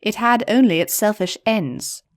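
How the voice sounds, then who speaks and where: Regal pony princess, calm and measured, read by a woman. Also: mid-range voice, natural voice. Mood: firm.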